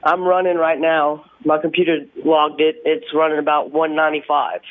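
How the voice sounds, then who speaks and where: Man, radio caller, tinny phone line, slightly high voice. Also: flat delivery, moderate pace. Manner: lists his repairs plainly. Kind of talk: call-in radio question.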